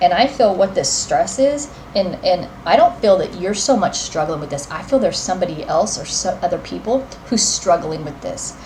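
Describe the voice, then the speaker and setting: A woman at a medium pitch talks at a moderate pace with hardly any pauses and very wide pitch swings, while noticeable background noise sits behind her. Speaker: tarot reader. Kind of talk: tarot reading monologue. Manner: hesitant, many fillers.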